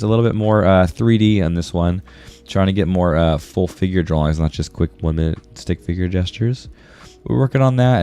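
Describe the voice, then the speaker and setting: Low-voiced congested man chatting on stream. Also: warm tone. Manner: friendly, slangy, addressing viewers as buddy. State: sore throat and congestion. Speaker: art livestreamer. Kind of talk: casual livestream chat while drawing. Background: music.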